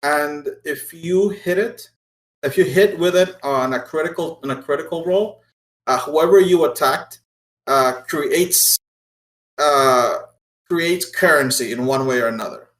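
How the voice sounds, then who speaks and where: A man narrating a tabletop game as game master, explaining things in a halting way. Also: fairly high pitch, a bit bright, reverberant, poor audio.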